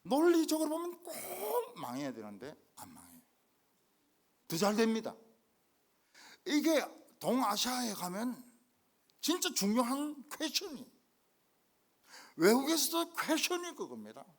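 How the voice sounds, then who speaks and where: An older man preaching a revival sermon as a guest pastor, jumping from loud exclamations to hushed asides. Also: very high-pitched, unhurried, long pauses. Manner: animated, swinging from loud exclamations to quiet asides. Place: church main sanctuary.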